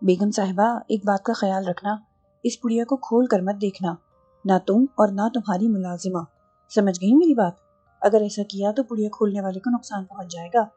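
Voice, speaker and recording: A woman's voice: medium pitch, mellow, slightly rough, faint music behind, close to an everyday voice. A woman voicing a scheming, greedy male sorcerer who boasts, bargains and threatens.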